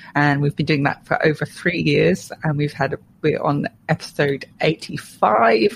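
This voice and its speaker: In a very deep, low, somewhat breathy voice, a woman speaks at a fairly slow pace with ordinary pitch variation and very even loudness. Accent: English. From England. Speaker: musician and podcaster. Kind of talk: interview, personal story. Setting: live stream.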